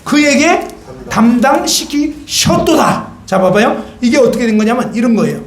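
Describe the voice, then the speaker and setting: A man's voice: very high-pitched, expressive, fast talker. Man preaching in a roomy church. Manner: questions the congregation and asks for answers; conversational and playful, acts out little scenes. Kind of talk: sermon.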